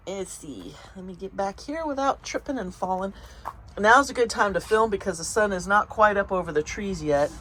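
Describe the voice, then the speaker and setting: A woman with a congested, sniffly voice chatting casually as she walks through her garden in the morning, pointing things out in a meandering way. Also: lowish voice. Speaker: garden vlogger. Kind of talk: casual walk-through commentary. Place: outdoor home garden in early morning.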